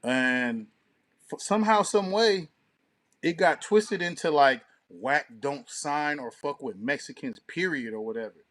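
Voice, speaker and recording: A man's voice: a little high, a little slow, fairly bright tone. An American man co-hosting a podcast with casual, profane, slang-heavy commentary, punctuated by checking tag phrases. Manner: informal, profane, peppers talk with tag phrases. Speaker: podcast co-host.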